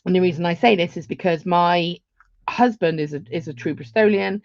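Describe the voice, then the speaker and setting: Woman, low voice, chatty beading tutor on a dull, dry lo-fi stream. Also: fairly quick, darkish tone, no room sound. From England. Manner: chatty, rambling asides. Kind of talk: live craft tutorial.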